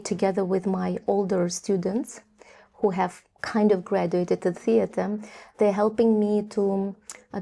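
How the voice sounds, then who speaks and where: Young woman, grew up in Latvia, gravelly, warm dark tone, hesitant with lots of ums. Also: medium pitch. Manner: hesitant, many ums and restarts. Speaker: theatre director and educator, interview guest. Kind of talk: casual interview talk.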